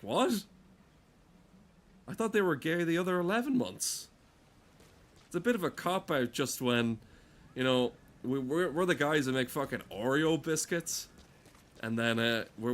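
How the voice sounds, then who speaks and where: A man's voice: mid-range voice, normal speed. A man giving crude, comedic, rambling commentary while playing a game, swearing often. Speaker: gamer talking over gameplay.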